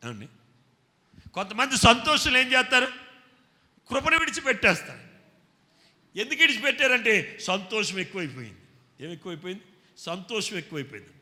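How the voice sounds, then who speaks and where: A man preaching a sermon, constantly quizzing his congregation and urging them to answer loudly. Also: high voice. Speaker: pastor. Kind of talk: Telugu sermon with call-and-response questions. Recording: long reverb from a hall.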